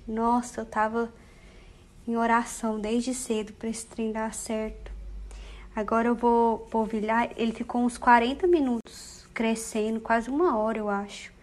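A woman, emotional and effusive, talking casually to her viewers while she cooks in her home kitchen. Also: a little high. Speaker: home cook vlogger. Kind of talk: casual cooking vlog.

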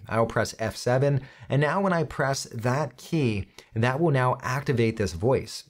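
A man in his thirties hosting a software tutorial, explaining each step in a clear, instructional way straight to the viewer. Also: medium pitch. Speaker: tutorial host.

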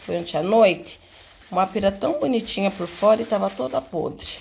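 A woman's voice: mid-range voice, a little fast, creaky, a little mellow. A young Brazilian woman chatting in a casual home vlog, affectionate and laughing often. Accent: Brazilian Portuguese. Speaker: vlogger and mother. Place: home, indoors.

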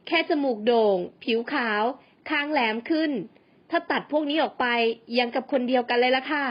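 Woman playing a sweet-sounding, snoopy young lady, high and polite, dull lo-fi sound. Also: moderate pace. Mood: insistent. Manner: polite, probing. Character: prim, nosy young woman.

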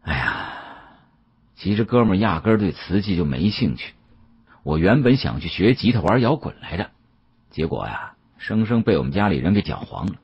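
A male narrator acts out a young audiobook rogue, heir to an antique family, glib but bitter underneath. His slangy, sighing talk is very raspy and swings widely in pitch. The sound is a little dull. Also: big pitch swings, normal speed, exaggerated voice. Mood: rueful, bitter. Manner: colloquial Beijing slang, sighing.

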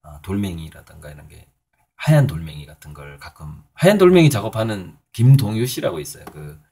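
Low husky man chatting casually. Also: very animated, brisk. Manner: rambling, with many fillers and soft chuckles. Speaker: painter and channel host. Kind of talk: casual morning vlog talk.

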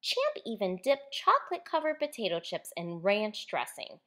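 A woman reads a children's picture book aloud as its author. Her delivery is animated and clearly worded, with very lively swings in pitch. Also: moderate pace.

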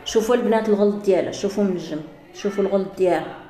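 A woman with a Moroccan Arabic accent, chatting through a live sales pitch for jewelry to her female viewers. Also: racing, warm tone, echoey room. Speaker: jewelry seller.

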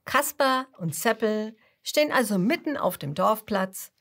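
A woman narrating a story for small children, speaking slowly and addressing the listener directly. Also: mid-range voice, lively intonation, fairly bright tone.

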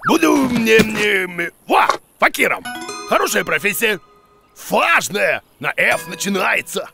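A man's voice: high-pitched, big pitch swings, measured pace, vocal fry, sharp tone, faint music behind, heavily acted. A man voicing a boastful, stubborn, bumbling bearded creature who teaches in a children's educational cartoon, blustering and grunting as he hesitates. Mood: huffy, boastful.

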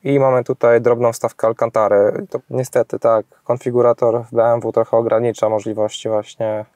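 A man giving a casual, unscripted owner's review, speaking in a halting way with frequent hums and self-corrections. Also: mid-range voice, little pitch movement, dark tone, no room sound.

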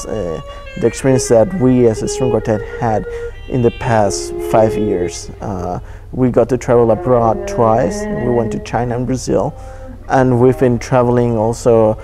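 A man in his twenties from Argentina with an Argentine accent, a student musician talking casually in an interview. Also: medium pitch. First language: Spanish. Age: 20s. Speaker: student viola player. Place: indoors in an auditorium.

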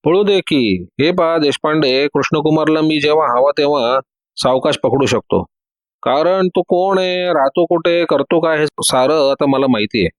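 Cocky teasing detective guy, man doing it, slightly raised pitch, dry sound, storybook reading. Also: moderate pace, dry recording, close to an everyday voice. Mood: breezy. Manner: teasing, breezy. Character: confident witty male detective.

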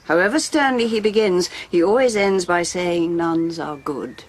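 An actress playing a composed, dryly witty senior nun in a radio drama, with a husky voice and measured authority. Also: female voice, fairly low pitch, lightly acted.

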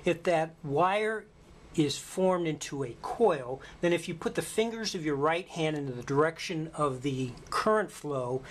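A middle-aged man narrating an instructional demonstration as a lecturer, in a measured, explanatory way. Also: a little high, animated. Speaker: physics lecturer. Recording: faint background noise.

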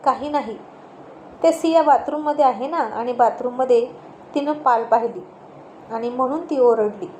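A woman's voice: fairly high pitch, normal speed, long pauses, warm tone, close to an everyday voice. A woman voicing a flustered young man who scolds and complains in a storybook reading. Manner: exasperated, scolding. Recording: roomy echo, faint noise.

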